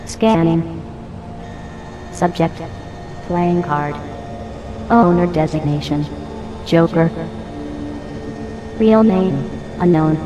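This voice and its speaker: A woman's voice: on the low side, drawn-out words, pauses often, muffled recording, music in the background. A woman playing an emotionless computer in a radio drama, reading out results in clipped, impersonal phrases.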